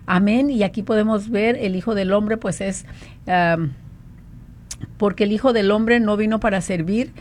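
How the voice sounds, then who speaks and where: A woman's voice: medium pitch, normal speed, darkish tone, slight background noise. A woman hosting a Christian radio talk, chatting with a guest and then leading a fervent prayer. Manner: fervent praying, many fillers. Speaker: radio show host.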